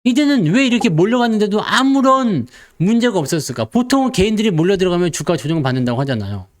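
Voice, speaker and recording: A fast-talking man with a high, very animated voice gives casual market commentary laced with humor. He jokes with the audience and mimics investors' voices.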